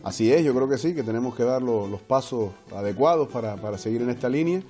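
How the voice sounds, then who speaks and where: A man with a Canarian Spanish accent talks quickly in a mellow, relaxed tone. He is a guest on a video call, with faint music behind him. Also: medium pitch. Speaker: guest folk poet. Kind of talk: conversational interview by video link. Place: home room with books and drum. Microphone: earphone mic on video call.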